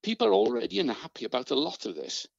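A man's voice: sits high, wildly swooping pitch, quick pace, creaky, slightly rough, no echo, exaggerated voice. A man playing an earnest, worried British project worker in a radio drama, polite and hesitant. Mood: anxious. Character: anxious, earnest male events project worker. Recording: dry, slightly muffled.

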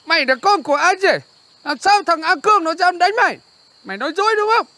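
A woman's voice: extremely high pitch, animated, quick pace, pushed and bright, no echo, full character voice. An actress playing a bossy, harsh young village woman who scolds and orders people around, in a television drama. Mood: scolding.

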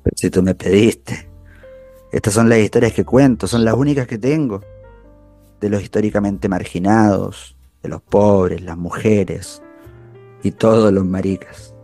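A man acting a world-weary, hard-drinking gay writer telling stories intimately in a radio play, with a gravelly voice. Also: lowish voice, measured pace, dark tone, soft background music. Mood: wry, weary. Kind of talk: radio theatre storytelling.

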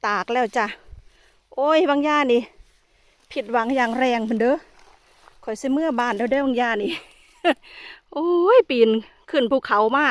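A woman's voice: on the high side, normal speed, pauses often, a little hiss or hum. A woman with an Isan Thai accent chatting casually as she vlogs outdoors in a forest, exclaiming often. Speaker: vlogger. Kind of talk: casual vlog narration.

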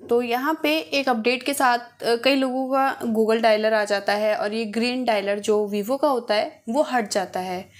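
A woman hosting a tutorial, talking viewers through steps in a casual, instructional way. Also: on the high side. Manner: addresses viewers directly, instructional. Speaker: host of phone tutorial videos. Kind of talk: casual step-by-step tutorial narration.

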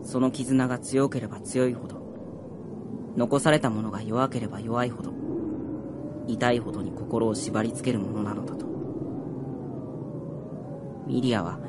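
An actor playing a gentle young fallen soldier in a radio drama, speaking politely and earnestly. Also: male voice, mid-range voice, steady tone, normal speed, long pauses, heavy background noise, lightly acted. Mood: tender, sorrowful. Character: gentle, earnest dead young male soldier, now a spirit. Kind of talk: Japanese radio drama acting. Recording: music behind the voice.

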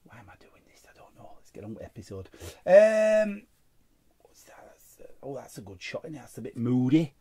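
A man's voice: medium pitch, creaky, darkish tone. A man hosting his own card-opening show, chatting casually and rambling with muttered asides as he looks through cards. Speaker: card-opening channel host. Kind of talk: casual unboxing commentary.

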